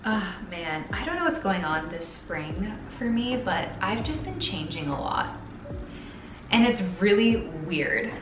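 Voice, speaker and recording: A woman's voice: medium pitch, sing-song, measured pace, background noise. A woman in her twenties chatting casually in a bubbly, playful, hyperbolic way as a sewing vlogger. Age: 20s. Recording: roomy echo, music behind. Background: music.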